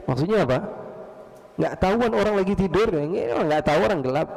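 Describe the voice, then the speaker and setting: Speaking fast with lively intonation, a man whose voice sits high, gravelly and a little mellow, tells a story as a sermon, performing the characters' voices and questioning his audience. It's recorded in a large mosque hall with long reverb.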